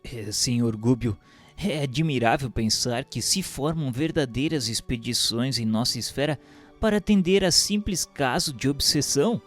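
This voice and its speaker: A man's voice: mid-range voice, moderate pace. A man narrating a radio drama in the first person, formal and reverent in tone, also speaking his own lines to a mentor. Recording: roomy, reverberant hall sound with music.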